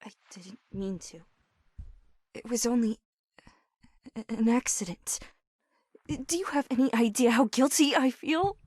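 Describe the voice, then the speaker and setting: A breathy, high-voiced young woman. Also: unhurried, pauses often, dry recording, studio quality. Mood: pleading. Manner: breathy, swings from soft murmurs to yelling. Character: young woman coworker, teasing then pleading. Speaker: game character. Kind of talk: video game voice acting.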